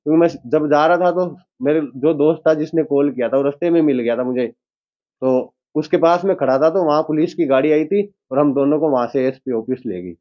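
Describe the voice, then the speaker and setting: A young man from Rajasthan, a driver telling a reporter what happened, in a plain and halting way. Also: fairly high pitch. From Rajasthan, India. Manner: plain, halting retelling with quoted dialogue. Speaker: taxi driver and witness. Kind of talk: news interview account. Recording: dull lo-fi sound.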